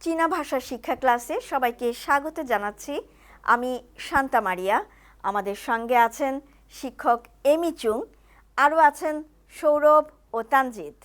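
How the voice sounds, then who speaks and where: A woman hosting a television language lesson, explaining each sentence clearly to viewers. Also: high-pitched, animated, normal speed. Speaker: TV talk show host.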